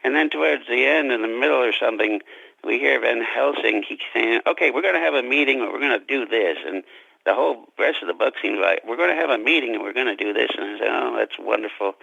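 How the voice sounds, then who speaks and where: A man's voice: medium pitch, fast talker, vocal fry, sharp tone, husky, no echo, muffled recording. A man being interviewed as an author, conversational and courteous, with formal turns of phrase and a self-deprecating manner.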